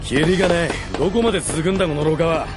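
A gruff undead warrior, played by a man, grumbles bluntly in a radio drama. He sounds rough and impatient, over clear background music. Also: on the high side, quick pace, lightly acted. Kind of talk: Japanese radio drama acting.

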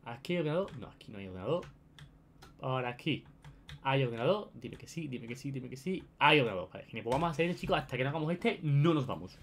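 A man's voice: mid-range voice, animated, fast talker, fairly bright tone, slight background noise. A young man with an accent from Spain giving casual, chatty gameplay commentary to his viewers, often repeating his phrases. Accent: Spain Spanish. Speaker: gaming video host.

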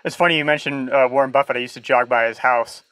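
A man hosting a podcast, asking casual interview questions in a halting, thinking-aloud way. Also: mid-range voice, fairly even intonation, fairly bright tone, no room sound.

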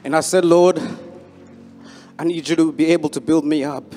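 A man's voice: a little high, steady tone, normal speed, mellow, slight background noise. Young man from Sudan, hesitant testimony. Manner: hesitant, many fillers, growing fervent. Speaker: bible school student. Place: large indoor arena stage. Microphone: handheld microphone.

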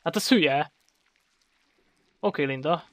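A man commentating his horror game playthrough, excitable, swearing often and yelling when startled. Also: on the high side, dry recording. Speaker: gameplay commentator. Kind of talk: horror let's play commentary.

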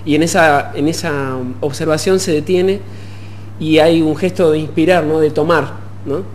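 A young Argentine man with a fairly high voice speaks as an interview guest. He explains things in halting phrases, with faint noise and hum behind him. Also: fairly even intonation. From Puerto Madryn, Argentina. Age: young adult. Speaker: musician guest. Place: TV studio. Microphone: desk gooseneck microphone.

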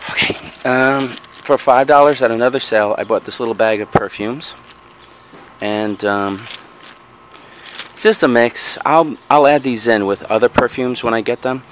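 A man's voice: medium pitch, normal speed, a little hiss or hum. A man casually talking through things he bought, rambling with frequent ums and self-corrections, recorded outdoors on a handheld camera. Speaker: vlogger showing resale finds. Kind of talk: casual show-and-tell narration. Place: outdoors in a backyard patio.

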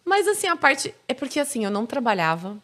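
A woman's voice: sits high, very animated, fast talker, a bit bright. A Brazilian woman telling a story as a podcast guest, in a chatty style full of fillers. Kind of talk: casual podcast chat.

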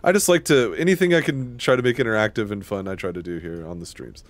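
A man in his thirties hosts a live gaming stream, talking loosely to his chat, rambling and cursing as he plays. His voice sits fairly low, and the sound is dry and close with no room echo. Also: fast talker. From Washington State. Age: 30s. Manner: loose, profane, rambling, chatting with viewers. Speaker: streamer, host.

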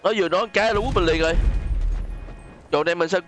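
A man's voice: high-pitched, racing, over music. A man with a southern Vietnamese accent hosts a gaming video, giving casual gameplay commentary to his viewers.

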